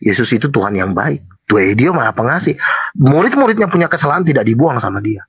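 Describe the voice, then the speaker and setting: A man's voice: mid-range voice, sing-song, quick pace, husky, no echo. A man arguing heatedly in a debate, combative and preachy, with slangy street talk.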